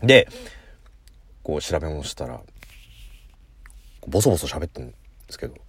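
A man's voice: rumbling low, very animated, normal speed, slightly rough. A man casually telling a funny story on his solo talk show, laughing at his own jokes. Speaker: podcast host. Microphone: phone app recording.

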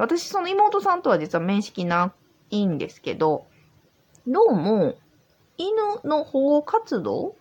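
Tipsy Kansai woman with a gravelly voice. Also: on the low side. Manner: chatty, rambling, easygoing. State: tipsy from drinking. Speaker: podcast host. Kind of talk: casual solo podcast chat. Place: old house.

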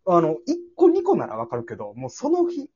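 A young Kansai man spins a funny tale at a brisk clip, his voice leaping all over its range as he acts out the people in it. The pitch sits a little high, and the audio is dull and lo-fi. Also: a crowd in the background. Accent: Kansai Japanese. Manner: animated storyteller, acts out quoted voices. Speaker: comedian podcast co-host. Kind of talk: casual storytelling chat.

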